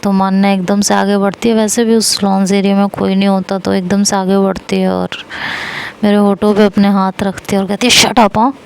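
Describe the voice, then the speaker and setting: A woman's voice: mid-range voice, level tone, a little fast, vocal fry, a little mellow, clean tone, rough recording. A woman narrating a first-person audio love story casually, mixing English phrases into her speech.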